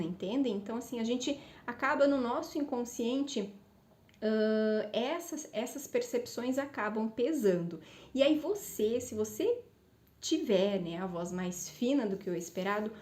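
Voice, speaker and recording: A woman's voice: fairly high pitch, warm tone. Woman speech therapist explaining in an echoey room. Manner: explanatory, conversational, frequent tag questions. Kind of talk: voice coaching lesson.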